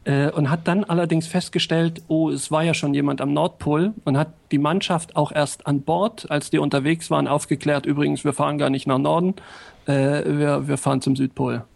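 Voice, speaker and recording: A man talks casually as a podcast co-host. His voice is a little higher than average for a man and very creaky. He explains things in a matter-of-fact way. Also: steady tone, moderate pace. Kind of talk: casual chat.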